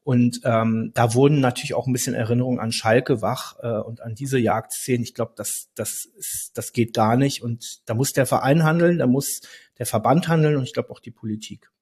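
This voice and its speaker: A man's voice: mid-range voice, steady tone, moderate pace, darkish tone, slightly rough. A man speaking as a podcast guest, explaining things with many hesitations and self-corrections. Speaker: podcast guest, football expert. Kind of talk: conversational expert analysis.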